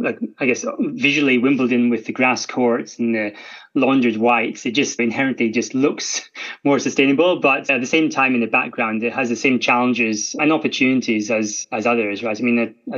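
Scottish man, mid pitch, conversational expert guest, slightly muffled lo-fi audio. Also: a bit bright. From Scotland. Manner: chatty, frequent "right?" tags and restarts. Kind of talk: podcast interview.

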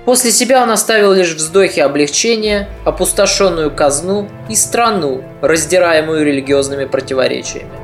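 A woman narrating a history podcast in a measured, reflective storytelling manner. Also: low voice, lively intonation, music in the background.

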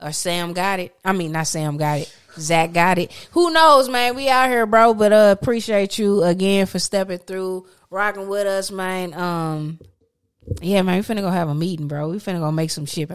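A woman's voice: on the low side, fairly even intonation, moderate pace, smooth. A woman hosting a casual podcast chat, blunt and teasing, laughing often between remarks. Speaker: podcast host.

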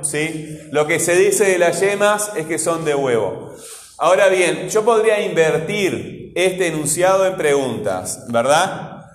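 A man's voice: on the high side, animated, measured pace. A male teacher giving a class lesson, quizzing his pupils and often checking in with a questioning "right?". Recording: echoey room with long reverb, faint noise.

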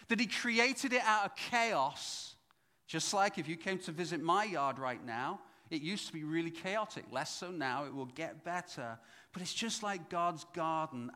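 A middle-aged man preaching a sermon as pastor, swinging from loud emphatic points to low asides. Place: church hall. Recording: echoey church hall.

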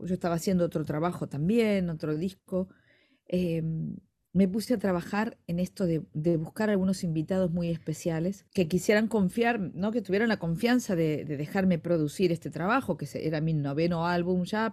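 Argentine lady in an interview, low mellow voice, calm and explaining things with little ehs. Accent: Argentine Spanish. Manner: measured, explanatory, with soft fillers. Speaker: guest, jazz singer. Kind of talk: interview answers.

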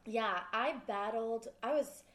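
A woman from Sweden, a podcast guest, telling her story in a lively, candid way. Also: fairly high pitch, slow pace, roomy sound. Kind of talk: casual interview talk.

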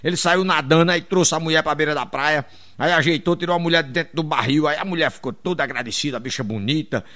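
High-voiced joke teller. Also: male voice, quick pace. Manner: animated, jumps in pitch for each character, drawls the refrain. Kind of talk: telling jokes with a stock refrain.

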